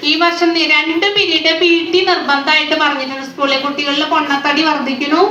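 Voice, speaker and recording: A woman's voice: high-pitched, level tone, a little fast, pushed and bright, reverberant, distant mic. A woman vlogger chatting casually to viewers and explaining things with small restarts.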